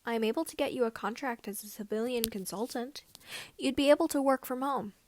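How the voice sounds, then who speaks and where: A woman's voice: fairly high pitch, a little fast, darkish tone, lightly acted. A woman voicing a standoffish, formal male military pilot in a story, speaking tersely. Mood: businesslike.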